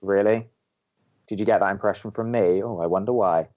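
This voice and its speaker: Actor as a low-voiced, grumpy college radio co-host. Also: male voice, a little fast, highs cut off, lightly acted. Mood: sarcastic. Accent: American. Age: young adult. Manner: deadpan, reluctant, exasperated. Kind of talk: audio drama dialogue as banter.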